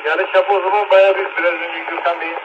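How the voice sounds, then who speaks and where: Amateur radio operator on walkie-talkie: halting, procedural exchanges, muffled lo-fi signal, heavy noise. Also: medium pitch, level tone. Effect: two-way walkie-talkie radio. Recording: muffled radio audio, loud static noise.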